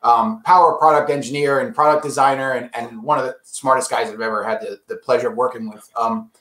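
A man's voice: mid-range voice, steady tone, fairly quick, pushed and bright, reverberant. A man representing an audio brand, casually explaining products in an enthusiastic, salesy way.

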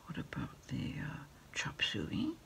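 Whispering middle-aged woman, slow and hushed. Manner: hushed, halting, unhurried. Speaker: ASMR creator playing a takeout order taker on the phone. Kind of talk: ASMR roleplay, whispered one-sided phone conversation.

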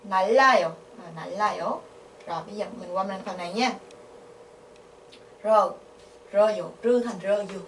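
A woman's voice: mid-range voice, normal speed, pauses often. A woman with a Vietnamese accent teaching Korean grammar, patiently repeating syllables and asking her students questions. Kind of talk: explaining grammar. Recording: echoey, from a distance, faint noise.

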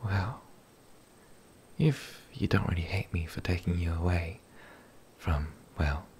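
A man playing a lonely, gentle, shy young werewolf in a whispered ASMR roleplay, speaking breathily, softly and haltingly. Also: a little hiss or hum. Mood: sympathetic, tender. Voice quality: breathy whisper, low and creaky. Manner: hesitant, halting, soft-spoken.

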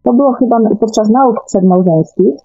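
A woman's voice: on the high side, moderate pace, dark tone, soft background music. A woman guest in a radio discussion, explaining her views conversationally and tentatively. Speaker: guest author. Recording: dull, band-limited remote connection.

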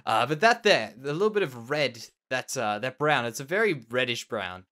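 Very animated at a normal speed, this Australian host's mid-range voice has a fairly bright tone. He comments casually on his Minecraft construction in a nasal, slightly tender way, musing and repeating words as he goes.

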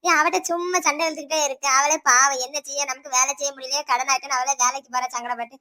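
Cartoon: bossy older village woman neighbor, Tirunelveli accent, very rapid, sharp lecturing delivery, voiced by a performer. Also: sits high, fairly even intonation. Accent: Tirunelveli Tamil. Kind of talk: cartoon voice acting.

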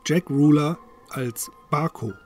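A man's voice: on the high side, takes it slowly. A man reading scripted credits as an announcer. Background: music.

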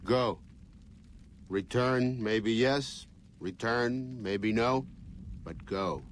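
A man's voice: mid-range voice, extremely slow, a little hiss or hum. A man voicing a solemn old tribal shaman who speaks in clipped, broken English.

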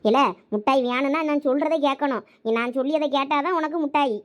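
A woman's voice: sits high, quick pace. A woman with a Thoothukudi Tamil accent in a village comedy skit, bossy and scolding.

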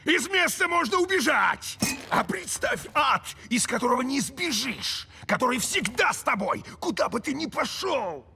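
A man voicing an irritable, bellowing dragon head in a cartoon, shouting indignantly. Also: very high-pitched, big pitch swings, normal speed, vocal fry, soft background music, exaggerated voice. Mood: furious ranting. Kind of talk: animated cartoon acting.

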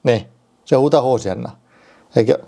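A man from Finland chats at home in a loose, rambling way, trailing off and restarting his words as he jokes along. His voice is mellow and relaxed, sitting in an ordinary middle pitch. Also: vocal fry. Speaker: vlogger. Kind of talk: rambling casual vlog.

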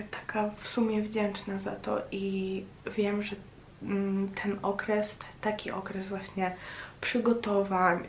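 Slow, hesitant woman in an echoey room. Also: mid-range voice. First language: Polish. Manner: hesitant, pausing, reflective. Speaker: vlogger. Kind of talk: casual chatty personal vlog monologue. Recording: roomy echo, faint background noise.

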